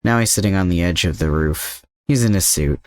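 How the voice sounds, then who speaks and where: A man's voice: deep voice, brisk, dry recording, studio quality. A man narrating fan fiction as an amateur podfic reader.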